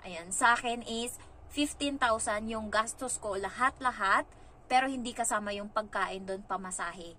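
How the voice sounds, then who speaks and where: A young woman from the Philippines telling her story casually as a vlogger, chatty and animated, acting out other people's lines in passing. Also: on the high side, normal speed, slight background noise.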